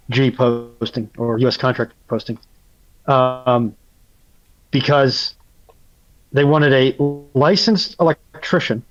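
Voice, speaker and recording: A man of medium pitch speaks through a dull, lo-fi phone mic on an internet call. He explains things casually but emphatically, with an incredulous edge. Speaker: panelist on a live stream. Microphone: phone mic on a Discord call.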